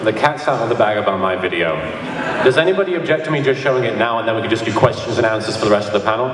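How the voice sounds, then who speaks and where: A man's voice: lowish voice, animated, very fast. A man giving casual, joking, self-mocking panel talk, prone to giggling as he speaks. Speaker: panelist, maker of a spoof series. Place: large indoor convention panel room. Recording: echoey hall, distant PA, loud noise.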